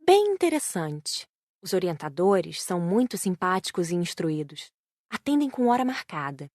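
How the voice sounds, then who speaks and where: A woman's voice: lowish voice, very animated, moderate pace, a little mellow, no room sound, clean studio sound. A woman reading scripted first-person audiobook narration.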